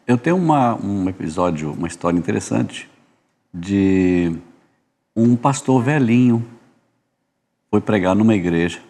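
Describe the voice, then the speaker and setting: A man's voice: fairly low pitch, lively intonation, normal speed, a little mellow. A Brazilian man, host of a church podcast, telling anecdotes in a rambling way with restarts. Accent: Brazilian Portuguese. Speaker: podcast host, music minister. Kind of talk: casual church podcast chat.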